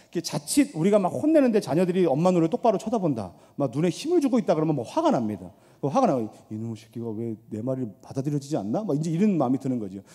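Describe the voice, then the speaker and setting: A middle-aged man preaching a sermon as pastor, swinging between loud appeals and hushed asides, with rhetorical questions and storytelling, in a church sanctuary. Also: on the high side. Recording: long church hall reverb.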